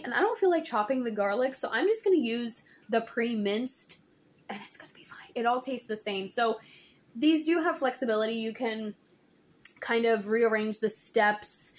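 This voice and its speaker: A woman in her thirties chatting casually through a cooking vlog in her home kitchen, filmed on a phone at arm's length, full of ums and likes. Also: on the high side. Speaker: home cook vlogger. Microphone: phone held at arm's length.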